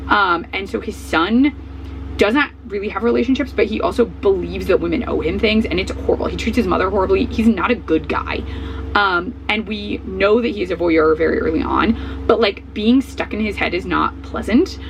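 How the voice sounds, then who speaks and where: Slightly hoarse woman, gravelly chatty vlogger. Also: medium pitch, normal speed, rough recording. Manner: rambling, filler-heavy, self-correcting. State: slightly hoarse, voice coming back. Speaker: book vlogger. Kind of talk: casual chat. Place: at home, traffic noise outside. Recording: faint outdoor truck noise.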